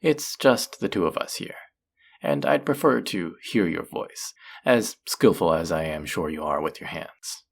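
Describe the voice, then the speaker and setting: A woman's voice: a bass voice, expressive, unhurried, creaky, breathy edge, exaggerated voice. A woman playing a flirty, possessive demon casino dealer in an intimate roleplay audio drama, teasing and taunting the listener. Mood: teasing, inviting.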